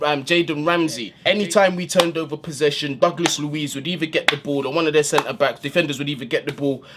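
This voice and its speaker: A man's voice: on the high side, a little hiss or hum. Slangy man breaking down a match. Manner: casual, slangy, animated fan talk. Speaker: football fan channel host. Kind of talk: post-match analysis monologue. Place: hot indoor room.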